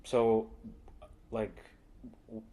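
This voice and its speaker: Hesitant low-voiced man hosting a chat. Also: flat delivery, drawn-out words, warm tone. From Long Island, New York. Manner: hesitant, lots of fillers and restarts. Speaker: podcast host. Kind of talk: casual chat.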